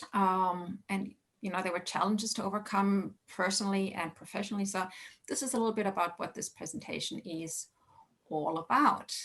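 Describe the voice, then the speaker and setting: A woman talks at a fairly quick pace with a slight German accent. Her pitch is medium, with ordinary pitch variation. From Germany. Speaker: long distance hiker. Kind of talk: presentation.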